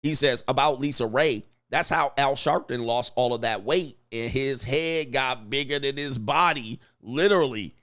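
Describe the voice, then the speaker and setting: A man's voice: mid-range voice, normal speed, few pauses, fairly bright tone. A middle-aged man from Southern California, hosting a casual livestream and reading viewer super chats with laughing, mocking asides.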